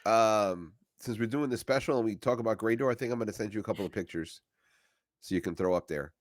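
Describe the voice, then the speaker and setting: Male co-host, mid-pitched, energetic storyteller who acts out quotes, stammers a bit; dry close mic. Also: quick pace, no room sound. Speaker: podcast co-host. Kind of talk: casual chat, storytelling.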